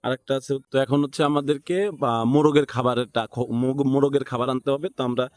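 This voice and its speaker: Male tutorial instructor, Bangladeshi accent, average pitch, informal step-by-step delivery that checks in with the listener. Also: fairly even intonation, quick pace, darkish tone. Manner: thinks aloud, checks in with listeners.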